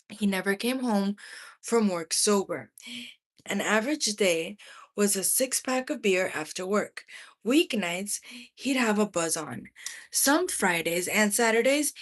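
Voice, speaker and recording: A woman reading a memoir aloud as expressive narration, in deliberate phrases with dramatic pauses. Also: medium pitch. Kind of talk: expressive audiobook-style narration.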